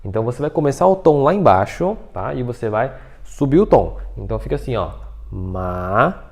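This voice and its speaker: Man, patient video-lesson teacher, gravelly fry in his voice, mid pitch. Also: animated, fast, darkish tone. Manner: explains patiently, many fillers like "tá?" and "né?". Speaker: Mandarin teacher.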